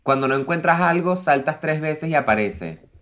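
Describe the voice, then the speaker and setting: A man's voice: a little high, lively intonation, moderate pace, fairly bright tone. A young man with a Venezuelan accent, co-hosting a podcast with wry, teasing remarks and casual swearing. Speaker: podcast co-host. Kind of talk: casual chat.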